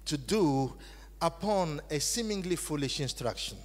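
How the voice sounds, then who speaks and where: A man preaching with a high, lively voice. He speaks slowly and leans hard on each phrase, going from shouts to low tones. The sound rings in a large reverberant hall. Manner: emphatic, swings from shouting to low, slow phrases. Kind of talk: sermon in English with live interpretation. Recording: echoey hall.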